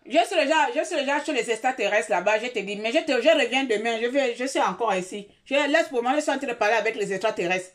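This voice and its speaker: A woman talking on a live stream, dramatic and repetitive, swinging between loud outbursts and quiet asides. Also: a little high, expressive, quick pace, few pauses. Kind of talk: animated live-stream monologue.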